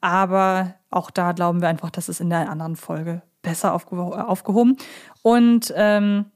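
A woman's voice: on the low side, steady tone, moderate pace, darkish tone. A woman hosting a fan podcast in a conversational style, phrasing her thoughts carefully and correcting herself as she goes. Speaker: podcast host.

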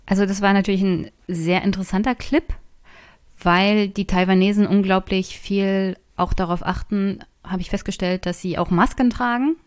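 Podcast-Gastgeberin, die Clips ansagt. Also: female voice, medium pitch, steady tone, normal speed, smooth. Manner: leads the conversation and introduces clips. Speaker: podcast host. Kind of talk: casual podcast conversation.

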